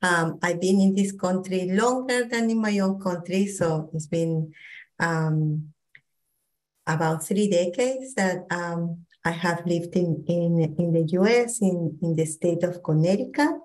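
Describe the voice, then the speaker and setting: A middle-aged woman from Peru with a thick Peruvian Spanish accent, presenting a training talk on a video call, pausing often with fillers and restarts. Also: fairly low pitch, poor audio. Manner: warm, hesitant with many fillers and restarts. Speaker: psychologist presenter.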